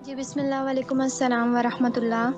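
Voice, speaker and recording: High, flat-voiced woman caller; call keeps dropping out. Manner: devout, earnest greeting. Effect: call line dropping out in gaps. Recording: dull lo-fi call with music behind.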